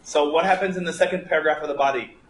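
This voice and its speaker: A man's voice: on the high side, steady tone, racing. A man teaching a live writing class, thinking aloud and putting playful, teasing questions to his students. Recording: echoey room with faint background noise.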